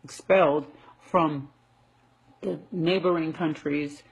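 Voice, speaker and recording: An American woman giving an unscripted opinion monologue in an emphatic, indignant, argumentative manner, with a husky voice. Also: low-pitched, steady tone, takes it slowly, dull audio. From United States. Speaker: online video commentator.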